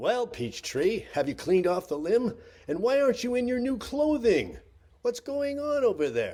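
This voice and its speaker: At a moderate pace, someone uses a put-on character voice with a fairly high pitch. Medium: read story.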